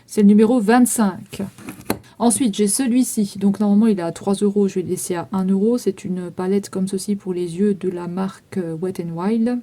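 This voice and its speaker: A woman's voice: mid-range voice, steady tone, normal speed, mellow. A woman in her thirties casually going through makeup items for sale, listing prices and numbers with frequent fillers. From France. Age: 30s. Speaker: vlogger selling makeup. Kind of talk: casual sales walkthrough.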